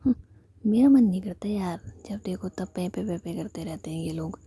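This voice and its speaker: A woman's voice: lowish voice, normal speed, mellow, breathy edge. A woman voicing a moody young woman fed up with her family, in a grumbling whisper.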